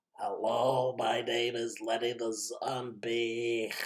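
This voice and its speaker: A man does a raspy put-on character voice at medium pitch. He speaks at a very slow pace. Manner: slow, drawn out.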